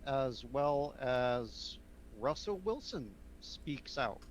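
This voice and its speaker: A man co-hosts a casual sports podcast at an ordinary middle pitch. He talks in a relaxed, halting way, often pausing on fillers. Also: dull audio, a little hiss or hum. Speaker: podcast co-host.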